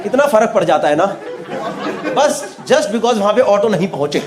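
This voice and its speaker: High-voiced man teasing a laughing crowd. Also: lively intonation. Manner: teasing, quick mixing of Hindi and English. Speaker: stand-up comedian. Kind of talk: stand-up crowd work. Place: comedy show stage before an audience. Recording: live stage mic, loud crowd laughter and noise.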